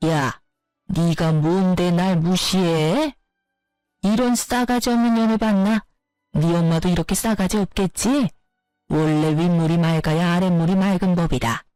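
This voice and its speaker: Brief: woman putting on a lower, gruff old mother-in-law, contemptuous and bossy, storybook read-aloud, dry sound, faint music under. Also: a little slow, dry recording, natural voice. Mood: screaming insults. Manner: sneering, insulting, shouting. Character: harsh scolding older Korean mother-in-law.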